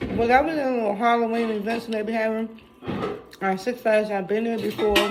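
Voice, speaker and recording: With audible room echo and noticeable background noise, a woman speaks at a fairly quick pace and fairly high pitch, her intonation fairly even. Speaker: mukbang vlogger. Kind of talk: casual chat. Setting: at home late at night.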